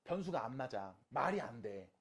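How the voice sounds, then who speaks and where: Lively-pitched math teacher quizzing students. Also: normal speed, slightly rough. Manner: constantly quizzes students with rhetorical questions; mixes casual and polite speech. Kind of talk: online math lecture to high school students.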